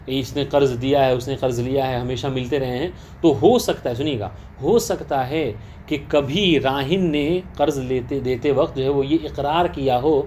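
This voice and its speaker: The speaker, a man with a mid-range and slightly mellow voice, is leading a religious law class. While explaining a text, he keeps asking rhetorical questions to confirm his students are with him. The audio has a bit of hiss or hum, and students are present.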